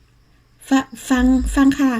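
A woman voicing a stubborn, prickly young woman in an audiobook, halting and stammering, with a sarcastic edge. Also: mellow, natural voice, rough recording. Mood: hesitant. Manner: stammering at first, then sarcastic and irritated. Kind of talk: audiobook character reading.

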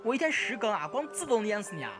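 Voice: mid-range voice, sing-song, over music, close to an everyday voice. A performer in an amateur radio drama playing a hyperactive young male gamer who chatters, repeats words and badgers indignantly. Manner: rapid-fire, repetitive, badgering.

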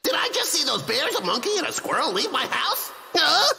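A man's voice: extremely high pitch, wildly swooping pitch, fairly quick, creaky, slight background noise, exaggerated voice. A man voicing a blustering, put-upon middle-aged logger villain in a cartoon, dramatic and whiny. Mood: furious. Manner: blustering, dramatic shouting and whining. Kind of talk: cartoon dubbing. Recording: loud cartoon music behind the voice.

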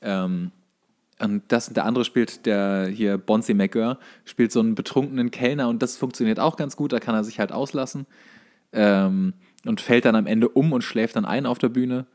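A man talks as a podcast co-host. His pitch sits in the middle range for a man. He chats informally, letting his stories ramble loosely. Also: fairly even intonation, normal speed, a little mellow. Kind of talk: casual chat.

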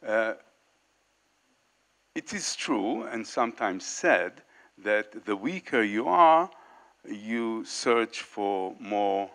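A man's voice: fairly low pitch, animated, a bit bright. A man in his sixties speaking on a panel in a meeting hall, holding a handheld mic, with many fillers and restarts. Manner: halting, many fillers and restarts, gestures while talking. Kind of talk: unscripted panel remarks. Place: large indoor meeting hall, panel table.

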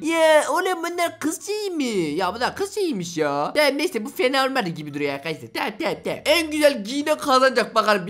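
Young male gaming host, quick lively patter, playful and chatty, higher voice. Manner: excitable, joking, chatty with viewers and friends. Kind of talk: live gaming commentary.

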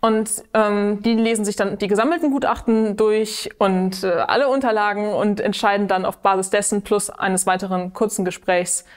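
A woman's voice: medium pitch, steady tone, moderate pace, few pauses, smooth. A woman in her early twenties explaining things in a matter-of-fact way during an interview. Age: 20s. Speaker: scholarship holder. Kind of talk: interview answers. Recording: guitar music underneath.

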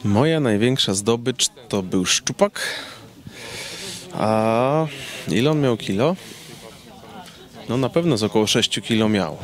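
A man in his thirties, easygoing and pausing often, answers questions outdoors into a handheld microphone in speech. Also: on the low side, expressive. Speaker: interviewed singer. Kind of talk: casual outdoor interview. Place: outdoors in a garden with trees. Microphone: handheld reporter microphone.

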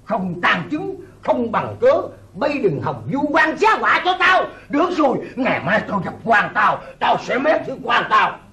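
A boastful blind fortune teller. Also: male voice, very high voice, very animated, normal speed, hardly any pauses, sharp tone, reverberant, exaggerated voice. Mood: defiant. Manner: boastful, sing-song, cheeky retorts. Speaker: comic opera character. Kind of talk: 1980s Vietnamese folk opera acting.

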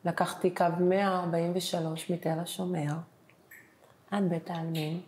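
A middle-aged woman, an interview guest, tells her personal story with emotion and acts out the conversations she recalls. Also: on the low side. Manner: animated, acts out the dialogue she retells. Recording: roomy echoing room.

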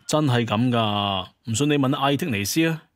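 A man's voice: mid-range voice, moderate pace, dry recording, close to an everyday voice. A man with a Cantonese accent voicing a glib, shameless hunter chief in an audio drama, wheedling and making excuses. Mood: feigned innocence. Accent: Hong Kong or Guangdong Cantonese.

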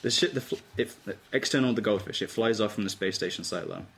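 A man's voice: on the low side, fast talker, gravelly, breathy edge. A man reading out scripted stage directions as narrator at an informal table read. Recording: room recording with faint noise.

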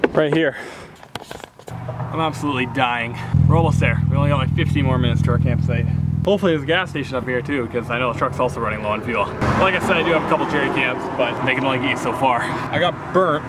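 A man's voice: mid-range voice, fast talker, heavy background noise. A man in his twenties with a Canadian accent, chatting casually and jokingly to a handheld camera as a travel vlogger. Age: 20s. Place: outdoors in parking lots and roadsides. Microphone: handheld camera at arm's length. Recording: loud music underneath.

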